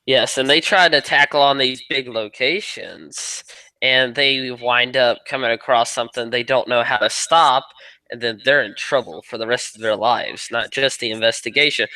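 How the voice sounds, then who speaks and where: A male host with a bright, forward voice keeps the casual conversation going in an agreeable way. The recording is dry and close, with no room echo. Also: mid-range voice.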